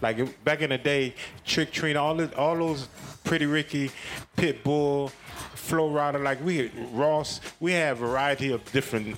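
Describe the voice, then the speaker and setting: With music in the background, a man with an American accent talks at a moderate pace in a fairly high pitch and very even loudness. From Miami, Florida. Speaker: music producer. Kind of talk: casual interview. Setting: live venue with audience.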